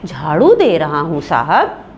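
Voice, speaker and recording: A woman's voice: low-pitched, wildly swooping pitch, slow, dull audio, slight background noise, voice pushed down, exaggerated voice. A woman doing a humble male servant. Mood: deferential. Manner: deferential. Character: dutiful male house servant.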